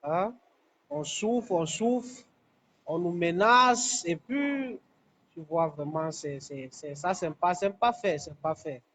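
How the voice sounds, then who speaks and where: A man's voice: high-pitched, lively intonation, takes it slowly, fairly bright tone, husky. A man from Cameroon's anglophone South-West calling into a live stream from a construction site, talking hesitantly and repeating himself. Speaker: caller. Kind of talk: phone-in call to live stream.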